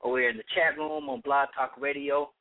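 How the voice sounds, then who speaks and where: A man, a pastor, hosting a live call-in radio talk show, speaking conversationally with frequent restarts and preacherly rises, his voice going hoarse. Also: medium pitch, level tone, moderate pace. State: losing his voice. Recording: tinny phone-like line.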